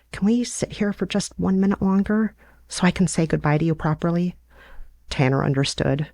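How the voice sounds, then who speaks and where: A woman's voice: low-pitched, vocal fry, dry recording, clean studio sound. A woman hosting a podcast, reading a story and chatting casually in a wry, self-deprecating way. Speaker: podcast host reading her own novella. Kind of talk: story narration and casual chat.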